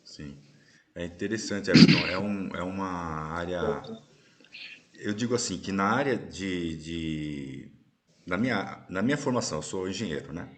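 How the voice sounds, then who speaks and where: Deep-voiced man hosting a live chat. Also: expressive, moderate pace, a bit bright. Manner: explanatory, often ending sentences with "né?". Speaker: host and course instructor. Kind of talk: casual live-stream chat.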